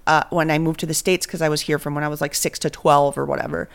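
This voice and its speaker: A woman's voice: deep voice, level tone, fast talker, creaky. A woman from Venezuela hosting a podcast, chatting casually and thinking aloud with fillers. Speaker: podcast host. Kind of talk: casual chat.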